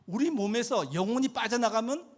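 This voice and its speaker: A man's voice: very high voice, animated, moderate pace. A man preaching a sermon as pastor in a church, retelling stories and acting out the voices in them. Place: church sanctuary.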